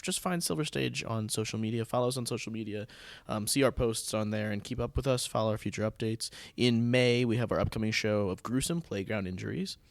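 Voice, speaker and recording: A man's voice: mid-range voice, dry recording. A man hosting a podcast in a casual, chatty style. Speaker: podcast host. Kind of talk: casual chat.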